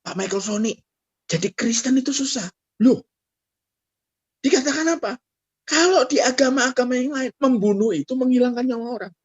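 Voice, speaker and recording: A man's voice: extremely high pitch, moderate pace, long pauses, breathy edge, no echo, lo-fi sound. A middle-aged man preaching a sermon, telling stories and acting out the voices of the people in them. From Indonesia. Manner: animated storytelling, acts out quoted voices, addresses the congregation directly. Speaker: pastor.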